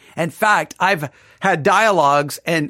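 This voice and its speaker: A man with an animated tone and lively intonation at a fairly slow pace, in a very clean recording with a silent background. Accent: Texan. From Texas. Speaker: theology podcast host and teacher. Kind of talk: theology lecture. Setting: studio.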